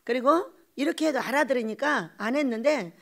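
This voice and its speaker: A woman preaches a sermon in a lively, animated way and breaks into quoted voices as she goes. Her voice sits high and has a gravelly, creaky edge. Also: a little fast. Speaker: pastor.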